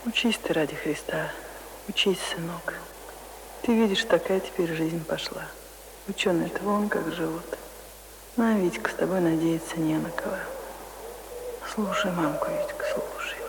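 An actress in a Russian radio drama playing a tender, worried village mother, murmuring softly and endearingly. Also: on the low side, moderate pace, long pauses, lightly acted. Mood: pleading, weary. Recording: radio drama with clear background noise.

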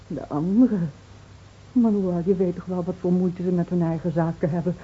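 An actress playing a grieving, devoted middle-aged village wife in a Dutch radio drama, speaking in a solemn, measured, pleading way. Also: female voice, fairly low pitch, steady tone, slightly rough. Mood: tender, resigned. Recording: tinny, narrow-band old radio recording.

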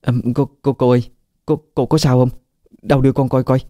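A man's voice: medium pitch, fairly even intonation, a little fast, dark tone, no echo, clean studio sound, pitched above the performer's own voice, close to an everyday voice. A man voicing a frightened young woman hairdresser who stammers in panic, with a Southern Vietnamese accent. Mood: anxious.

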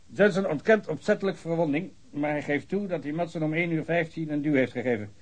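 An actor playing a long-winded, pedantic police officer in a radio drama. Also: male voice, on the high side, fast, natural voice. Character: fussy male police officer reading a report.

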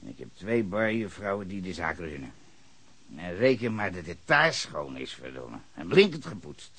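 Radio play: a man voicing a hostile, ranting bar owner in his fifties, with a lively, husky, bright delivery. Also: deep voice, moderate pace, exaggerated voice. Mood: grumbling. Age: 50s. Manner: cursing, ranting, swings between shouting and muttering. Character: foul-mouthed hostile older male bar owner, drunken ranter.

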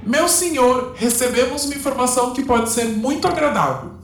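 A woman's voice: high voice, lively intonation, normal speed. An actress playing an obsequious, ambitious female general with a formal, deferential manner in an audio drama. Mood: servile. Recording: roomy reverb over music bed.

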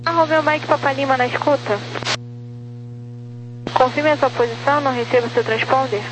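A woman's voice: high-pitched, moderate pace. A Brazilian woman working as an air traffic controller, giving clipped procedural instructions over crackly military-style radio. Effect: aviation radio transmission. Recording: noisy humming aviation radio.

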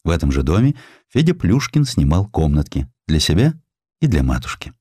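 A man narrating a historical sketch as a scripted audiobook, with theatrical, expressive delivery. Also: a bass voice, normal speed, husky, dry recording, clean studio sound.

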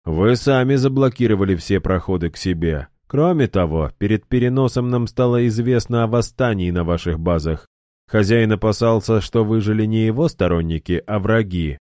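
A man voicing a created guardian who answers in a cold, flat, terse way. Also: fairly low pitch, moderate pace, no room sound, studio quality, pitched above the performer's own voice, natural voice. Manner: cold, flat, sparing with words.

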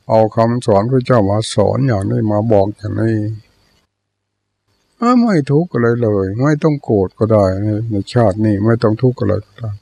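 Older Thai monk giving a calm Dharma talk. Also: male voice, mid-range voice, gravelly. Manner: plain storytelling with repeated teaching phrases. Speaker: Buddhist monk teacher.

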